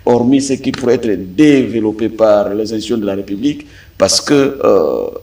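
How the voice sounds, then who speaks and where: A Congolese man speaking as a political analyst in a debate, deliberate and emphatic, pausing often to hesitate. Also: fairly low pitch, animated, warm tone, distant mic. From Democratic Republic of the Congo. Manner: deliberate, frequent hesitations, rising emphatic stresses. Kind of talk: studio debate commentary.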